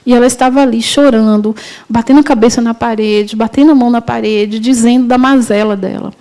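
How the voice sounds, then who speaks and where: A middle-aged woman teaches a spiritist course. Her voice sits high, with a mellow, warm tone. She talks in a loose, conversational way, often restarting and correcting herself. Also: fairly even intonation, brisk. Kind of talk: storytelling lecture.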